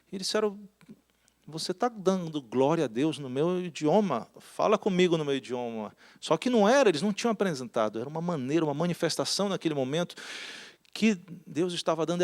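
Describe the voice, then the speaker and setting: Man preaching a conversational church sermon. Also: fairly high pitch. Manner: conversational preaching, asks the congregation questions. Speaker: pastor. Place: church hall.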